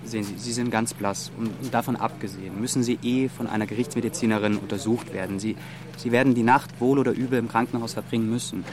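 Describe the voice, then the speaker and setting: An actor playing a calm, patient paramedic in a German radio drama, soothing and politely official. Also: male voice, medium pitch, fast, close to an everyday voice. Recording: noisy outdoor street with vehicles.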